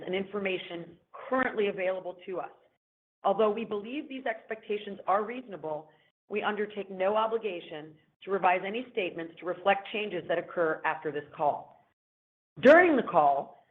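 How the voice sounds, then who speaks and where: A woman reads a scripted corporate disclaimer in a formal, businesslike manner as an investor relations presenter. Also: medium pitch. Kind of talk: scripted legal disclaimer reading. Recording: narrow phone-like conference line.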